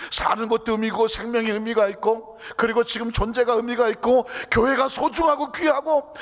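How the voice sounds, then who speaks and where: A middle-aged man pastor preaches a Friday night sermon in a large church sanctuary, and long hall reverb trails after each phrase. His voice sits high and gravelly and ranges widely in pitch. He asks the congregation question after question, shifting from loud emphatic bursts to hushed near-whispers.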